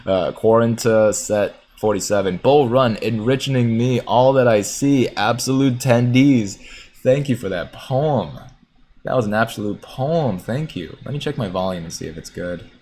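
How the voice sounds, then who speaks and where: A man hosting a casual livestream, reading viewer comments aloud, chatting and laughing easily as he thinks out loud. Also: mid-range voice, unhurried, a little hiss or hum. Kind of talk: casual livestream chat about stocks.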